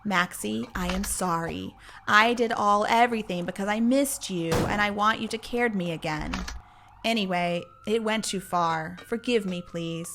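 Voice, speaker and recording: A woman's voice: medium pitch, unhurried, background noise, natural voice. A woman voicing an obsessive, clingy young woman in a scripted story, with music behind her. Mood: pleading.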